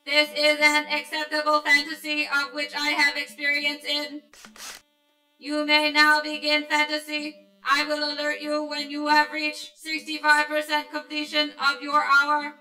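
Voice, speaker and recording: A woman's voice: sits high, completely flat delivery, measured pace, bright, forceful tone, echoey room, soft background music, heavily acted, rough recording. A woman playing an emotionless female pleasure android in a sci-fi radio drama, with polite, stilted, formulaic seduction. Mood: flatly seductive. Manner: robotic, formulaic, stilted sultry delivery.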